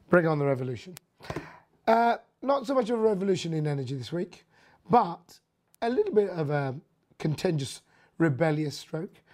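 A hoarse host whose voice is nearly gone, leaving a husky, mellow, dark tone. The delivery is loose and casual, full of ums, restarts and opinionated side remarks as the host chats through the news. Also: mid-range voice. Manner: rambling, filler-heavy, opinionated asides. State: hoarse, losing voice. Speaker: podcast host. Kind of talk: casual energy news commentary.

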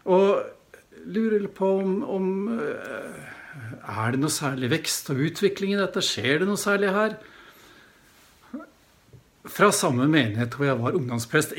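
A middle-aged male pastor telling a story in a sermon, reflective and hesitating now and then. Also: fairly high pitch.

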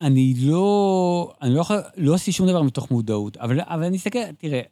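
A man talking in a fairly high, very lively voice that rises and falls widely, with a mellow, dark timbre. He tells rambling stories as an interview guest, restarting sentences often. The recording is close and dry. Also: dry recording. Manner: animated, digressive, frequent restarts. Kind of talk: casual storytelling conversation.

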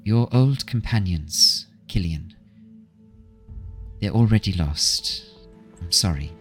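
A kindly old granny of a fortune teller, played by a man at a tabletop game. The voice is low and lilts widely, with a gentle, portentous manner and cryptic calm. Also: takes it slowly, soft background music. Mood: solemn, cryptic. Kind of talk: in-character tabletop role-play.

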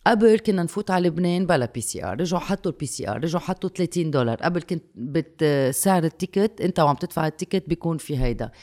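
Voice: medium pitch, lively intonation, very fast, hardly any pauses, a little mellow. A speaker with a Levantine, Lebanese Arabic accent chatting casually, repeating phrases for emphasis and mixing in English and French words.

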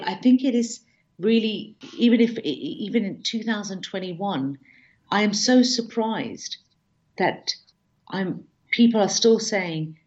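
Low-voiced woman, emphatic, restarting. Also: darkish tone, lo-fi sound. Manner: emphatic, many restarts and repeated words. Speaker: diversity and inclusion consultant. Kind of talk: conversational interview talk.

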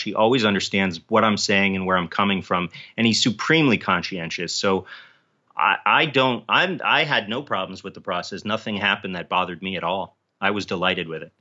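Low, bright-edged man's voice, muffled recording. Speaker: author, podcast guest. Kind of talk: casual podcast interview.

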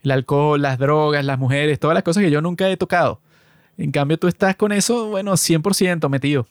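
A man's voice: on the high side, brisk, no echo, studio quality. A man co-hosting a podcast from Latin America, telling stories in a joking, mock-boastful, slangy way. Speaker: podcast co-host. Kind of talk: casual podcast chat.

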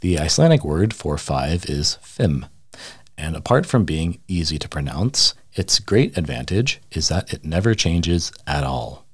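A man reading a humorous essay aloud with a wry, deadpan, mock-serious delivery. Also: extremely low pitch, unhurried, slightly rough, no room sound, clean studio sound. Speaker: radio essayist.

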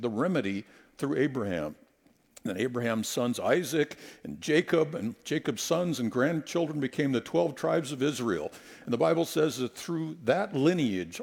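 A middle-aged man delivers a sermon in a church sanctuary, speaking through a headset mic. His voice has a gravelly edge, and his pitch swings widely as he tells stories and acts out quotes. He moves between humorous anecdotes and scripture. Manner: animated, storytelling, acts out quotes. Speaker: guest preacher.

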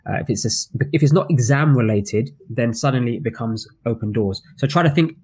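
London host, mid-pitched, chatty and upbeat, lots of asides. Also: male voice, brisk, a little mellow, slightly rough. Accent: British English, London. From West London. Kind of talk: casual live-stream chat.

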